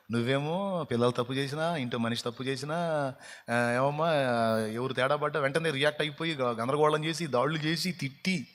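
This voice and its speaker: Male pastor, mid-range voice, fervent scolding sermon delivery; long hall reverb on the recording. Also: mid-range voice. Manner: dramatic and scolding, with rhetorical questions and sudden loud peaks. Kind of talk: fasting prayer sermon. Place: church hall.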